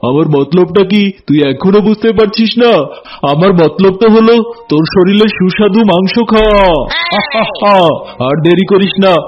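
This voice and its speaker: A man's voice: sits high, measured pace, lo-fi sound. A man voicing a wicked, gullible tiger in a cartoon folk tale, greedy, bossy and taunting. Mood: taunting, menacing.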